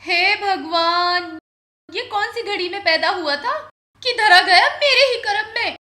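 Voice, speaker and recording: A woman's voice: extremely high pitch, unhurried, echoey room, heavy background noise. An actress playing a fed-up Haryanvi village wife and stepmother who scolds and wails, in a Haryanvi accent. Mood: complaining. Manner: scolding, wailing complaints.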